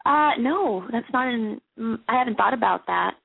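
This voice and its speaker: A woman's voice: a little high, lively intonation, moderate pace, vocal fry, slightly rough, no room sound. A woman calling in to a show, speaking casually, politely and a bit hesitantly over the telephone. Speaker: caller. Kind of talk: casual phone conversation. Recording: narrow telephone line.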